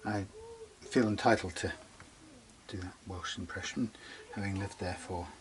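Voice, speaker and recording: A man talking casually through a guitar setup in his workshop, rambling and chatty, muttering quietly as he works. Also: sits low, steady tone, a little slow, low-quality recording. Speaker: guitar repair demonstrator. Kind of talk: casual workshop how-to talk.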